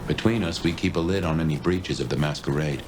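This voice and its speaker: An actor playing a wry, world-weary vampire detective companion in a video game, talking in a folksy, conversational way. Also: male voice, very deep voice, brisk, noisy background. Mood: confiding. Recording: loud music behind the voice.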